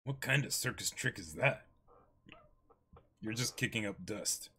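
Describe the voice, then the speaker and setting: A man's voice: lowish voice, measured pace, sharp tone, husky. A man in his twenties co-reading a manga dramatically, with casual asides. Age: 20s. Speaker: co-reader of a manga. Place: small indoor room in front of a backdrop.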